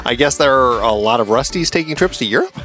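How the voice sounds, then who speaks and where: A man's voice: medium pitch, expressive, quick pace, pushed and bright, soft background music. A man co-hosting a film podcast, bantering through a scripted sponsor and merch spot in a mock-sarcastic way. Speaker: podcast host. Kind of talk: scripted ad read.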